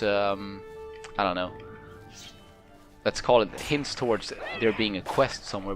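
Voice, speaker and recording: Low-pitched man giving casual game commentary. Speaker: gamer, let's play host. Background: game music.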